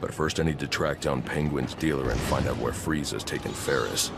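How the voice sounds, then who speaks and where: Brooding masked vigilante, gravelly growl, very low, score playing underneath. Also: male voice, over loud music. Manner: slow, clipped, menacing. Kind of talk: video game cutscene acting. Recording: game audio with score underneath.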